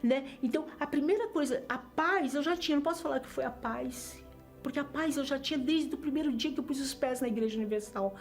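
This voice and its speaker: Soft music plays behind a middle-aged Brazilian church member as she offers her testimony of faith. Her high-pitched voice moves fairly quickly, and her earnest, emotional telling often circles back to the same phrases for emphasis.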